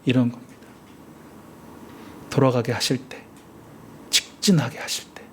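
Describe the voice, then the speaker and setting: A man's voice: medium pitch, steady tone, moderate pace, a bit bright, slight background noise. A man preaching a Sunday sermon as pastor of a church, asking the congregation questions and acting out the complaints of the people. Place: church service.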